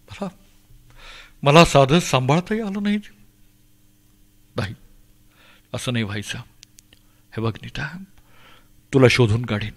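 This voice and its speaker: A man giving a dramatic first-person story reading, impassioned and anguished, dropping to a hush and then rising loud. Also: mid-range voice. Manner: impassioned, anguished, swings between hushed and loud. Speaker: story reader. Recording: long hall reverb.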